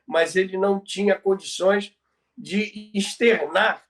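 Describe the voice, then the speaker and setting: Brazilian guy podcast host, pretty high voice, halting storytelling, repeats himself a lot. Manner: halting, repeats words for emphasis. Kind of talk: conversational storytelling about radio history.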